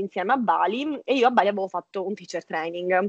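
Very fast, lively intonation from a woman. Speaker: yoga teacher. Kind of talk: casual chat; yoga instruction. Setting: at home.

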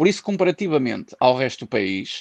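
A man with an unremarkable speaking voice talks at a fairly quick pace with lively intonation, in a dry, close sound with no echo and a quiet background. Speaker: political podcast co-host. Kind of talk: casual political debate. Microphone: phone mic, unstable connection.

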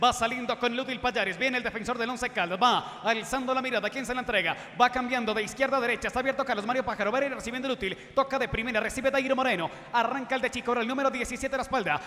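A man's raised, projected voice at an extremely high pitch and a very fast pace, over noticeable background noise. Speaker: football play-by-play announcer. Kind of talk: live commentary. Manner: animated.

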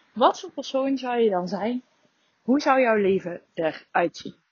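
A woman with a high pitch speaks at a very slow pace, her intonation lively. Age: 30s. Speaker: positive psychology coach and podcast host. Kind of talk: solo podcast monologue with exercise guidance. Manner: animated, cheerful with laughter.

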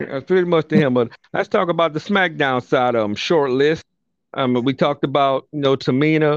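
In a dry, close recording with no echo and a quiet background, a man with a fairly high pitch talks at a fairly quick pace with ordinary pitch variation in a normal speaking voice. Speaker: podcast host. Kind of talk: casual chat.

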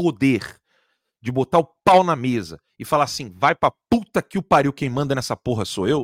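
A man with a Brazilian accent speaks at a moderate pace. His pitch swings very widely, and the sound is dry and close with no echo. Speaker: political commentator host. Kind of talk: angry rant. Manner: indignant, heated, emphatic.

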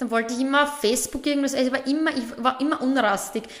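Speaking at a very fast pace with a slight Burgenland accent, a woman's high-pitched voice keeps a fairly even intonation over noticeable background noise. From Burgenland, Austria. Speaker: real estate entrepreneur. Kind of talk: interview.

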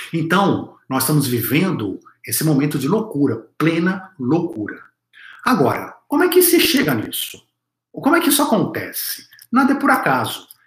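Here a man speaks with a high pitch and very wide pitch swings. His pace is moderate. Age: 60s. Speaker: spiritual YouTube host. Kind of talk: live-stream talk. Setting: YouTube live stream.

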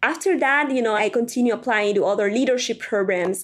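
In a Spanish accent, a woman speaks at a fairly quick pace. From Paraguay. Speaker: student and social entrepreneur. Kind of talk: interview.

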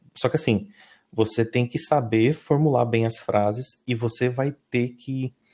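The man's voice has a dark, mellow tone. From Brazil. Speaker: software engineer. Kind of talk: interview. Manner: halting, many fillers and repetitions.

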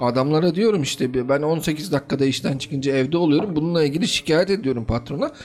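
A man with a normal speaking voice and fairly high pitch talks at a fairly quick pace. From Aegean Turkey. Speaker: podcast co-host. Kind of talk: casual chat.

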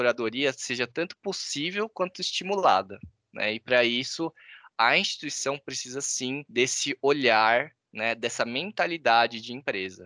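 A man's fairly high voice with a bright, sharp tone and lively intonation. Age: 20s. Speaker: education content analyst. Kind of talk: podcast interview.

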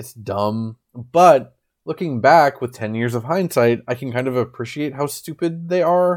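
A normal speaking voice from a man with an American accent, moderate pace and ordinary pitch variation, on a very clean recording with a silent background. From United States. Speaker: podcast host. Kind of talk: casual solo podcast talk. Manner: casual, filler-heavy.

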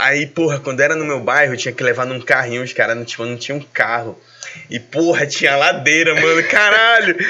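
A man talks at a fairly quick pace with a fairly high pitch. His pitch variation is ordinary, and noticeable background noise is present. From Manaus, Amazonas, Brazil. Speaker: podcast co-host. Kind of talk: casual chat.

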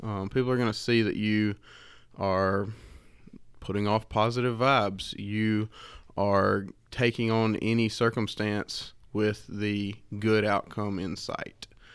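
A man with a Southern US accent speaks at a very slow pace in a fairly low pitch. His intonation is monotone and flat on a very clean recording with a silent background. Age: 20s. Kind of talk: casual chat; bible teaching.

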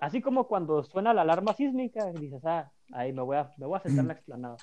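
A man talks fairly quickly at a high pitch. The pitch rises and falls across a very wide range. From Texas. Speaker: podcast guest. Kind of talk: casual chat.

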